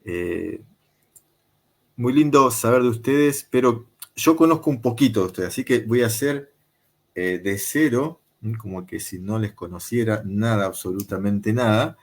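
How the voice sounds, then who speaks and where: Man, interview host, husky low voice, unhurried, lots of filler pauses, video call.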